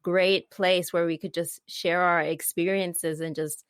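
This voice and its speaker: A woman's voice: on the low side, steady tone, unhurried, smooth, no room sound, clean studio sound. Chatty teenage girl podcast host. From Zimbabwe, raised in London and Beijing. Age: teens. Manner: chatty and upbeat, uses "like" a lot. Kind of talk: casual conversational interview.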